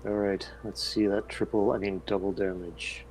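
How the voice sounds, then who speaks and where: A man's voice: lowish voice, flat delivery, normal speed, a little mellow, low-quality recording. A man playing a tabletop role-playing game, bantering casually and calling out his moves. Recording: faint background noise.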